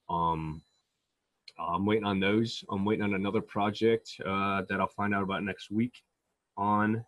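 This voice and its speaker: Male actor guest, low husky voice, eager and rambling, dry recording. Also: fairly bright tone, dry recording. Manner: enthusiastic, rambling with many restarts. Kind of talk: casual interview talk.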